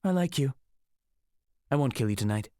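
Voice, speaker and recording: A man's voice: medium pitch, expressive, normal speed, warm tone, no room sound, studio quality, close to an everyday voice. A man playing an unhinged, morbid winged creature who holds a captive, menacing yet eerily conversational, in an audiobook. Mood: amused menace. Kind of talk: audiobook character acting.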